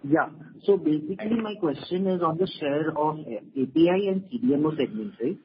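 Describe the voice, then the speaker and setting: Analyst on a noisy phone line. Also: male voice, on the high side, animated, moderate pace. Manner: structured questions, ends with "right?". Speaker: investment analyst caller. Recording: phone-line call audio with faint noise.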